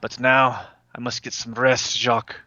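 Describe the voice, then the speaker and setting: Tabletop game swamp giant, male player, solemn and formal caretaker of plants, crisp bright tone, slightly dull recording. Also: medium pitch, flat delivery, normal speed, no room sound, natural voice. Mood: solemn, stately. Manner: stately, formal, declarative.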